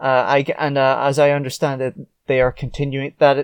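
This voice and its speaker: A man's normal speaking voice at a medium pitch, fairly quick, against a quiet background. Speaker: podcast co-host and game streamer. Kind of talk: casual chat.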